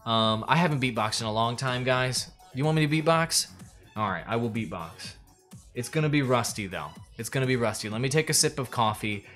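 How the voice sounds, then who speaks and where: A man's voice: medium pitch, a bit bright. A man talking casually to his viewers on a live stream, advising creators and thanking his patrons. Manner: chatty, addresses viewers directly, promotes patrons. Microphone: desk mic, pulled in closer later.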